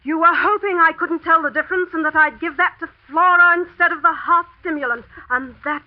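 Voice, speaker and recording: Cunning schoolteacher, high voice, icy and accusing, old radio drama. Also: female voice, brisk, no echo. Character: cool, cunning woman who poisons. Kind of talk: 1940s radio acting. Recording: muffled 1940s radio broadcast.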